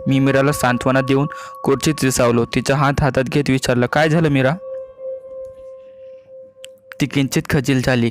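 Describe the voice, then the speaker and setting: Male storyteller, flat even horror narration, light music underneath. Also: medium pitch. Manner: even, steady storytelling delivery. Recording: faint music behind the voice.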